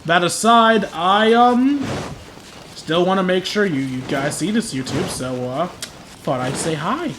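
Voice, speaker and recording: High-pitched man streaming games. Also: animated, a little slow, a bit bright, a little hiss or hum. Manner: wry, theatrical, self-deprecating. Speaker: game streamer. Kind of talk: joking livestream game commentary. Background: game music.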